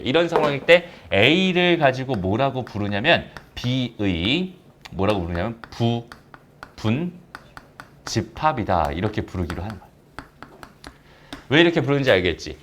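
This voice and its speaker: Lively-pitched male math teacher. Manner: chatty, asks students questions and answers them himself. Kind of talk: recorded math lecture.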